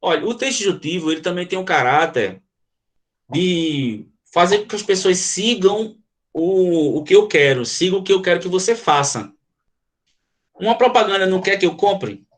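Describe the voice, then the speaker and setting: A male teacher lecturing to students, often pausing to ask if they follow and explaining with quick examples. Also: high voice, animated. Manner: frequent checking questions to students. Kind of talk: classroom lecture.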